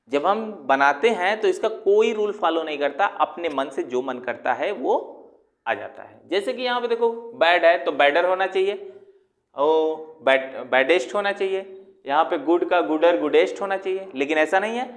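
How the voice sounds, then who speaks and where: Man, fairly high voice, patient teacher, step-by-step grammar explanation, rhetorical questions. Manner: patient, explains step by step, drawls words out syllable by syllable; asks rhetorical questions to the viewer. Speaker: English teacher. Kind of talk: classroom-style grammar lesson.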